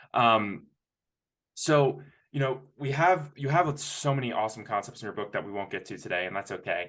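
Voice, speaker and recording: A man's intonation rises and falls in a lively way, with the background kept quiet. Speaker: podcast co-host. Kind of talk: interview conversation. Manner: fast; rambling, hesitant fillers.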